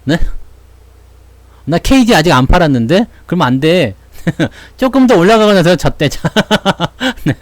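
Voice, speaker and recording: A man riffs on the stock market in a loose, blunt way, slipping in slang and acting out little imagined voices. His pitch sits a bit high and swings widely. The sound is close and dry, with no room around it. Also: sing-song, a little slow, no echo. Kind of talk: casual market talk to viewers.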